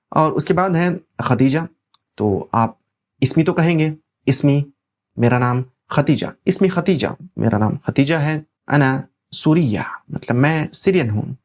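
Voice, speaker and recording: A teacher with a South Asian accent and a medium-pitched voice leads a language lesson. Each phrase is said deliberately, repeated, and then translated step by step. The delivery is plainly instructional, recorded on a lavalier microphone. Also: a little mellow.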